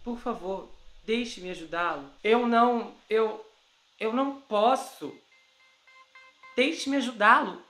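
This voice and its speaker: A woman's voice: a little high, slow, long pauses, fairly bright tone. A woman voicing a female nurse who presses and pleads with a friend. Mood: pleading. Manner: urgent, insistent. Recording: roomy with background music.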